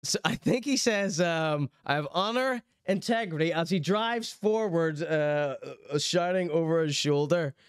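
A man's voice: a little high, a little slow, few pauses, smooth, dry recording, studio quality. A middle-aged man giving mocking, amused video commentary in a sarcastic manner. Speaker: reaction video host. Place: small indoor streaming room. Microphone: studio microphone close to mouth.

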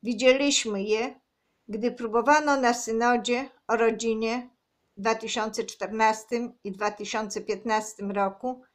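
A woman on her own channel reading a religious book aloud in a slow, measured, earnest way. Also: on the high side, fairly even intonation.

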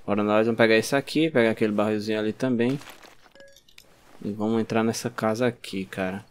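A man with a lowish, clean-toned voice and a Brazilian Portuguese accent talks a little fast while streaming gameplay. His commentary is casual and excitable, full of yelps, and he scolds the zombies as he plays.

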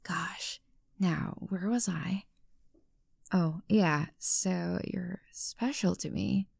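Woman acting creaky-voiced obsessive yandere girlfriend. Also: lowish voice, darkish tone, dry recording, studio quality, full character voice. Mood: lovestruck, coy. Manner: breathy whispers, halting, swinging from coaxing to outbursts. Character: obsessive, unstable young yandere stalker woman, sweet then menacing. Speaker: voice actor in audio roleplay. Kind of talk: ASMR girlfriend roleplay, intimate acting.

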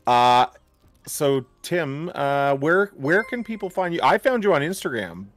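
A man's voice: fairly high pitch, big pitch swings, a little slow, no room sound, soft background music. A man hosting a charity game stream on a headset, upbeat and introducing guests. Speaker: stream host. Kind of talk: casual chat.

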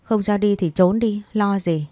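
A woman voicing a cheeky, pushy young man in his twenties who needles everyone in quick banter in a storybook. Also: medium pitch, warm tone, no room sound, lightly acted. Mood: teasing. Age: 20s.

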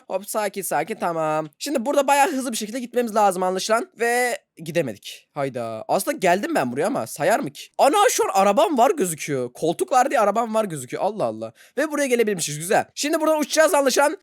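Man, let's-play commentary, excitable, laughs a lot, bouncy swooping pitch, dry close sound. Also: no echo. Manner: excitable, laughs often, yelps when surprised. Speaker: gaming channel host.

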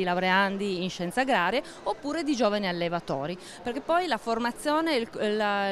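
A middle-aged woman interviewed at a fair stand, explaining a project in a measured way with frequent pauses and fillers, speaking into a handheld mic. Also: mid-range voice, slight background noise. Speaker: interviewee, agricultural association staff. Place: indoor exhibition stand at a book fair.

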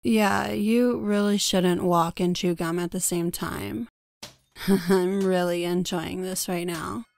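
A woman voicing a sarcastic, deadpan girl who talks in a flat monotone. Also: lowish voice, takes it slowly, vocal fry, no room sound, voice pushed down.

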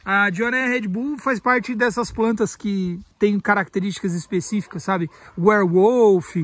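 A man's voice: high voice, fairly even intonation, unhurried, fairly bright tone, no echo. A man with a Brazilian Portuguese accent chatting playfully in a casual vlog, recorded outdoors in a garden by a pool on a phone's built-in mic. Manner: chatty and playful, mispronounces words on purpose. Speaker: carnivorous plant grower and channel host. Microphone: phone built-in mic, no external mic.

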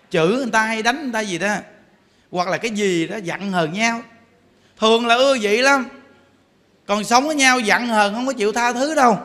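A man's voice: very high-pitched, bright, forceful tone. A man with a Southern Vietnamese accent, a Buddhist monk preaching a folksy sermon to lay followers and often asking them rhetorical questions. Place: temple hall.

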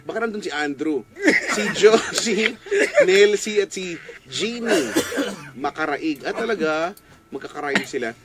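A man's voice: fairly high pitch, big pitch swings, measured pace, a crowd in the background. A man with a Filipino accent working as a radio DJ, bantering and greeting listeners in a giggly, playful way. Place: small radio studio. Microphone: studio boom mic with headphones.

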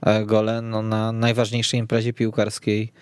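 A man's voice: fairly low pitch, monotone, normal speed, darkish tone, smooth, no echo. A man hosting a sports podcast, presenting topics for a casual discussion. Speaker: podcast host. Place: radio studio.

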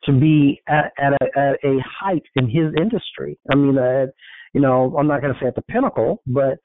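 A man's voice: medium pitch, moderate pace, a little hiss or hum. A man giving a casual motivational talk on a group call, rambling and informal, with many fillers and restarts. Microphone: conference call line. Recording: thin, phone-like call audio.

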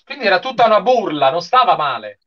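A man's voice: high voice, sing-song, fast. A man giving casual live commentary as a panelist on an anime watch-along over a video call. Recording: slightly dull video call audio.

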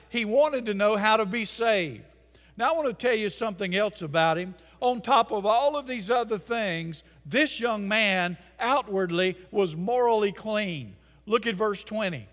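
An older man preaching a sermon at a church pulpit, emphatic and slowing down to stress key phrases. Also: sits high, a bit bright. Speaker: pastor. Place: church sanctuary. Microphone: pulpit mic. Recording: long church reverb.

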